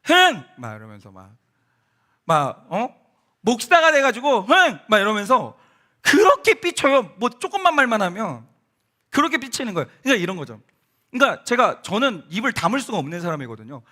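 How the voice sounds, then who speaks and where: A male pastor with a fairly quick, high-sitting voice delivers a sermon in a church sanctuary. He tells stories conversationally and animatedly, addressing the congregation directly and acting out the voices of the people he quotes.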